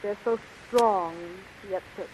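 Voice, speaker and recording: An actress playing a frightened, adoring young heroine in distress, melodramatic and breathless, in a 1930s radio serial. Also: female voice, mid-range voice, slow, a little mellow, lightly acted. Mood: adoring, relieved. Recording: muffled, hissy 1930s radio recording.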